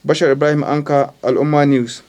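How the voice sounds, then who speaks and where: Male field reporter, Nigerian accent, fairly high voice, formal scripted news report. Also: level tone, fairly quick, a little mellow.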